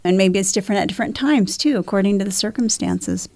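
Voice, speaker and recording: A woman's voice: medium pitch, fast talker. A woman hosting a faith discussion, affirming others and asking questions. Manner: warmly affirming, leads with questions. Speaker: discussion host.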